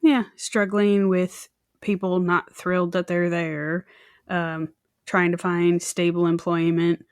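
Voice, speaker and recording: A woman's voice: fairly low pitch, little pitch movement, slow, clear, resonant tone, no room sound, studio quality. A woman co-hosting a true crime podcast, telling the story in a chatty, informal way with wry, joking asides. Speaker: podcast co-host presenting the case.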